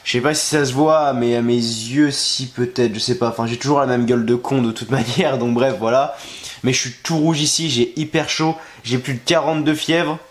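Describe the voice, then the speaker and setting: A man's voice: mid-range voice, steady tone, normal speed, reverberant. A young man with the flu, congested and worn out, ranting crudely and sarcastically to the camera in a wrestling review. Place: at home, in a bedroom. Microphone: camera facing him.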